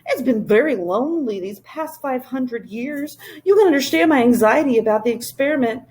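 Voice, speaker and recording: A high, lisping storybook creature king, old and male, gushing and chattering with nervous excitement, as a woman puts him on. His voice leaps all over the place, sailing far above an ordinary speaking voice. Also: normal speed. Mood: wistful.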